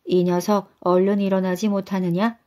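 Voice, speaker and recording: A woman's voice: medium pitch, flat delivery, normal speed, dark tone, natural voice. A woman voicing a grumpy old man with a blocked nose who snorts before he talks and scolds his wife. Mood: scolding.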